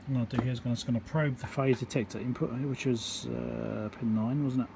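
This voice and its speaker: A man giving a hands-on electronics repair demonstration, thinking aloud in an informal, halting, step-by-step way. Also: mid-range voice, creaky. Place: indoor repair workbench. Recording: steady background hum and room noise.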